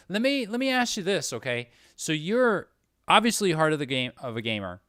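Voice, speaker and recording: A man's voice: fairly high pitch, sing-song, moderate pace, a bit bright, dry recording, clean studio sound. A man hosting a casual conversational interview, with an agreeable, enthusiastic manner. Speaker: interviewer, podcast host.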